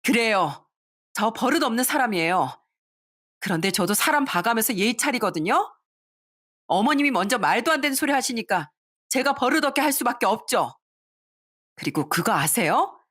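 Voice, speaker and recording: A woman playing a furious sharp-tongued young wife. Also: fairly high pitch, very animated, normal speed, long pauses, breathy edge, pitched above the performer's own voice, exaggerated voice. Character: furious young wife standing up to her in-laws.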